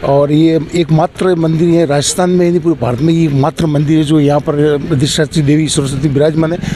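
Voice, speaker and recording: At a moderate pace, a man with a fairly high pitch speaks with monotone, flat intonation and very even loudness over noticeable background noise. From Rajasthan, Sirohi district. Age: 60s. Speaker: devotee. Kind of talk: interview.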